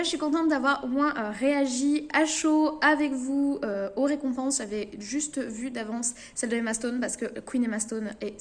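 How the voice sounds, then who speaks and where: A woman chatting casually and emphatically as a video blogger, in an echoey, resonant room. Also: high-pitched. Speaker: film review vlogger. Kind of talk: casual reaction commentary to camera.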